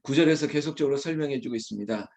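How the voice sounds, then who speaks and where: A man's voice: mid-range voice, racing, a little mellow. A man preaching an early-morning sermon as a pastor, emphatic and acting out prayers to God. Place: prayer retreat center.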